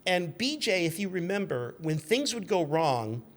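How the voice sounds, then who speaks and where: A man in his fifties telling anecdotes in an animated, chatty way as a podcast guest. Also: sits high, measured pace. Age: 50s. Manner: chatty, acts out quoted shouts. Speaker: podcast guest, magazine editor.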